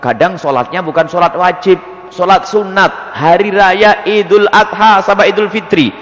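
A man preaching and answering religious questions in a lively, animated way, acting out little scenes as he explains. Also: moderate pace, long reverb tail. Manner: lively, animated, acts out scenes with sudden pitch jumps. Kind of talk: religious Q&A lecture.

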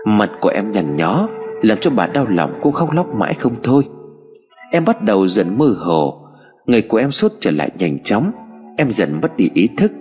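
A man's voice: on the low side, very animated, moderate pace, darkish tone. A man narrating a story expressively. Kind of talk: scripted narration. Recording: hall reverb with music bed.

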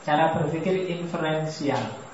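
A man teaches in a mosque hall, keeping the talk loose and joking and turning questions back to the listeners. His voice sits a little high and reaches the mic from a distance. Strong hall echo and a faint hiss hang around every word. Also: unhurried, muffled recording. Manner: relaxed, joking, questions the audience. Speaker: philosophy lecturer. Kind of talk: religious study lecture.

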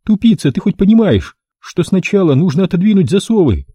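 A male narrator voicing a hysterical young woman who squeals, scolds and pleads in a shrill voice. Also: sing-song, fairly quick, warm tone, husky, no room sound, clean studio sound, exaggerated voice. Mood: panicked.

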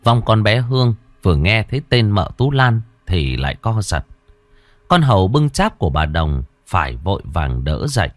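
Brief: deep, expressive male horror storyteller, suspenseful and measured. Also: no room sound. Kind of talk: ghost story narration.

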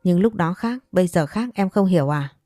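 Woman voicing a stern scolding man, low and dark. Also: expressive, fairly quick, no room sound, studio quality, faint music behind. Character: scolding middle-aged man, secret lover.

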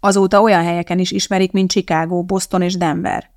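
A smooth-talking middle-aged male TV producer, as an audiobook narrator puts him on, polite and placating. The gravelly voice sits in a dry, close storybook recording. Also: mid-range voice, flat delivery, no echo, lightly acted.

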